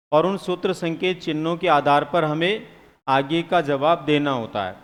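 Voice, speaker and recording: A man's voice: a little high, big-room sound. A man teaching psychology in a live classroom lecture, questioning students and answering his own questions, sometimes teasing them.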